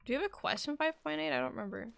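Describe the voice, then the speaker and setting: A woman's voice: high-pitched, lively intonation, very fast, vocal fry, a bit bright, slight background noise. A woman live streamer giving casual commentary on a game and reading its dialogue aloud. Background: game music.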